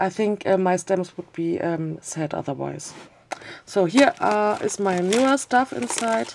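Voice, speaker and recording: A woman's medium-pitched voice with a German accent, fairly slow and with very wide pitch swings, over noticeable background noise. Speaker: crafter, video blogger. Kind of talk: room tour. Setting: home craft room. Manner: halting, many fillers.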